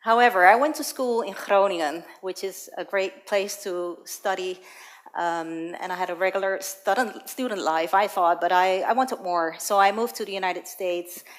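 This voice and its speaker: A woman's voice: medium pitch, normal speed. A woman from the Netherlands giving a prepared talk on stage, telling personal stories about her life. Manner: personal, storytelling, lively anecdotes. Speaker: speaker. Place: auditorium stage.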